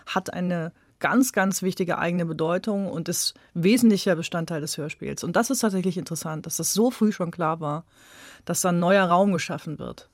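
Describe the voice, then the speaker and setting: A woman's voice: fairly low pitch, moderate pace, no room sound, studio quality. A woman speaking as an expert guest, explaining things emphatically in a spontaneous discussion. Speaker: expert guest in a radio interview.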